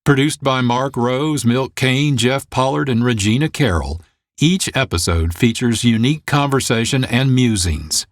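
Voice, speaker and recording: A male radio host reads his announcements with a brisk, lightly playful delivery. His voice sits at a middle pitch and sounds close and dry. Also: no room sound. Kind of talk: scripted announcing.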